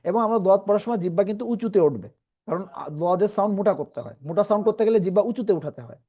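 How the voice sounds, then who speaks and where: A man teaching Quran reading in an online class, patiently explaining and slowly repeating letter sounds for his students. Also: high-pitched, warm tone, highs cut off.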